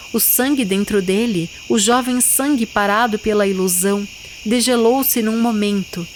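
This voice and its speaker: A woman with a Brazilian accent who hosts a literary podcast, reading and talking about books. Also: medium pitch. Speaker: podcast host and literary reader. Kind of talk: literary narration and conversational book discussion.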